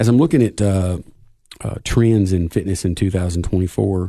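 A man's very deep, low voice, dark and mellow in tone and somewhat breathy, at a moderate pace against a quiet background. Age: 50s. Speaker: radio host. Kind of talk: radio interview. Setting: studio. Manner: halting, filler-heavy.

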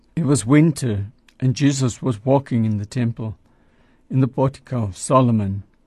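A man's somewhat breathy, dark, mellow voice at a moderate pace with ordinary pitch variation, in a dry, close sound with no echo. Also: medium pitch for a man. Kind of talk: liturgy, celebrating Mass. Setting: studio. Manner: formal.

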